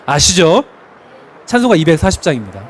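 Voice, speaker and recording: A middle-aged male pastor delivers a Sunday sermon in a notably high voice. His pitch swings widely as he tells stories, and he breaks into laughter now and then. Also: a little fast, slight background noise. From Chungcheong, Korea. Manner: expressive preaching, sings hymn lines, laughs while telling stories.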